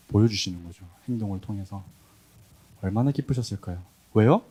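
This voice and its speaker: A man preaching a sermon, acting out the quoted voices with animated emphasis. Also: mid-range voice. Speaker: pastor.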